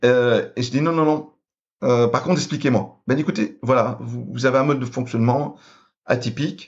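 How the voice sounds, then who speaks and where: The man's voice sits at a medium pitch. He talks at a moderate pace with ordinary pitch variation. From Belgium. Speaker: financier, former banker. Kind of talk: podcast interview answer.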